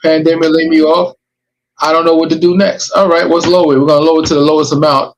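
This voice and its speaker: Emphatic New man, higher voice. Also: level tone, fast talker, slight background noise, low-quality recording. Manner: emphatic, streetwise, warning tone. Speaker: podcast host. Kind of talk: casual advice chat.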